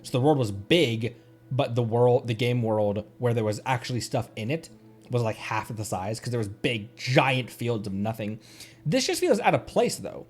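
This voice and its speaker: A man's voice: mid-range voice, expressive, normal speed, breathy edge, soft background music. A man doing casual, chatty game commentary as a streamer, hesitant as he thinks aloud. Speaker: streamer, VTuber host.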